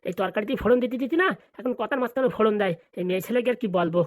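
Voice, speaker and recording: A woman's voice: a little high, close to an everyday voice. A woman voicing a scheming, money-hungry village father in a comedy cartoon, scolding and bantering. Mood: scolding, impatient. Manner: rapid, colloquial, bantering scolding.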